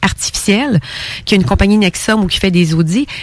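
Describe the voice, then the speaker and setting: A woman with a medium-pitched voice speaks fairly quickly. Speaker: radio host. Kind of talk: radio talk show interview. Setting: radio studio.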